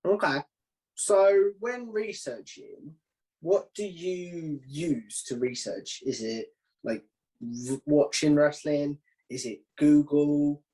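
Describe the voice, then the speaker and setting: A man hosting a relaxed podcast interview, asking questions in an informal, inquisitive way. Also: a little high, slow, poor audio. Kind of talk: casual conversational interviewing.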